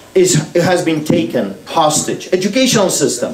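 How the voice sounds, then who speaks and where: Someone with a Polish accent speaks in an animated tone, with audible room echo and noticeable background noise. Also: man. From Poland. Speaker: street preacher and activist. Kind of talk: public speech to audience. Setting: restaurant event with audience.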